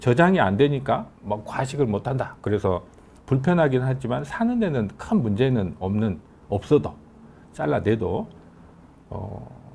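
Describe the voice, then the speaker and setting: A man speaks at a fairly slow pace with a medium pitch, a somewhat breathy voice, and very wide pitch swings. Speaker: oncology professor giving a health lecture. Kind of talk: lecture. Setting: live lecture. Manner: somewhat halting, many fillers.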